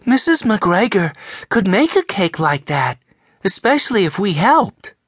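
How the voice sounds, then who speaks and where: Storybook casting: soft, kind young girl, raised pitch, lively lilt, read by a man. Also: a little slow, no room sound, studio quality, heavily acted. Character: gentle helpful young girl.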